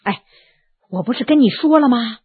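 A woman voicing an idle, doting official man in a storybook reading, his voice dropped low and drawling. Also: lively intonation, moderate pace, breathy edge. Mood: coaxing. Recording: tinny narrow phone-like sound, dry.

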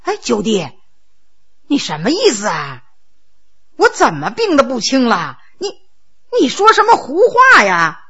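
A woman storyteller performs a full character voice as a middle-aged Qing prince, a stern official who barks harsh orders and then stammers, flustered and bewildered. Her voice is a little high and a bit bright with a slight roughness, its pitch swooping wildly at an unhurried pace broken by frequent pauses. The audio is dull.

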